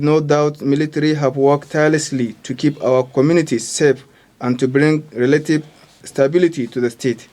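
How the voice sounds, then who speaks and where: A man's voice: on the high side, a little mellow. A Nigerian man delivering a scripted television news report in a formal manner.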